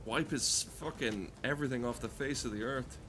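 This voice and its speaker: A man's voice: medium pitch, moderate pace. A man rambling casually as a game streamer, swearing often and ranting in a mock-earnest way. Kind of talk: casual rambling livestream commentary.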